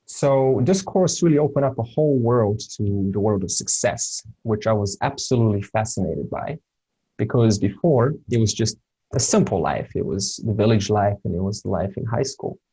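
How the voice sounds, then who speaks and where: A man's voice: fairly low pitch, expressive, normal speed, warm tone, slightly rough, low-quality recording. A Serbian-born man whose first language is Serbo-Croatian, giving an informal lesson in a hesitant way, with many fillers and restarts. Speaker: spiritual teacher.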